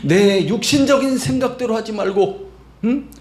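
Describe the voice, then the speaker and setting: Male pastor, high voice, emphatic sermon delivery, echoey church room. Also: moderate pace, darkish tone. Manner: emphatic, acts out quoted voices, fills with 막 and 응. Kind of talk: Sunday sermon. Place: church sanctuary.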